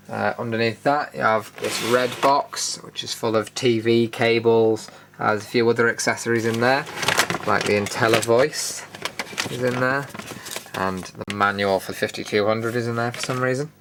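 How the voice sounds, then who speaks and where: A man's voice: fairly low pitch, normal speed, gravelly. A British man giving a casual, unscripted tour as a video host, matter-of-fact and dryly opinionated. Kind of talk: casual unscripted show-and-tell narration. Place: indoor room studio. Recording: noticeable background noise.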